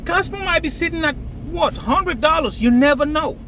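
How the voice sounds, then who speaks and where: A man's voice: extremely high pitch, lively intonation, normal speed, sharp tone, a little hiss or hum. A man from Cameroon, raised in Nigeria, talking emphatically to camera and laughing between phrases. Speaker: crypto vlogger. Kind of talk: casual hype monologue to camera.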